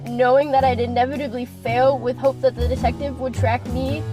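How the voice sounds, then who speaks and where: A woman's voice: high voice, level tone, normal speed, lightly acted. A young woman playing a dim, obedient gangster's henchwoman in an amateur radio play. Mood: puzzled. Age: teens or young adult. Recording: amateur recording with music underneath.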